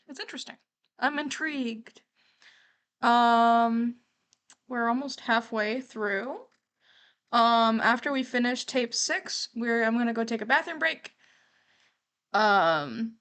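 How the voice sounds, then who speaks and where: Casting: female livestreamer, fairly high voice, candid and casual, thinks aloud while reacting. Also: a bit bright. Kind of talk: casual reaction commentary on a horror series.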